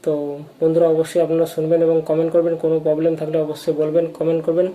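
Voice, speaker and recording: A presenter with a West Bengal accent giving an informal update to viewers as a channel host, halting and repetitive like someone new to presenting. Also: medium pitch, completely flat delivery, phone-quality sound.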